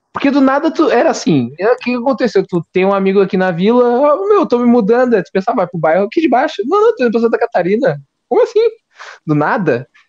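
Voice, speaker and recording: Here a man speaks with a southern Brazilian accent at an extremely high pitch. He talks at a very fast pace with very wide pitch swings. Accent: gaúcho Brazilian Portuguese. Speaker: podcast host. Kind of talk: casual interview on live stream.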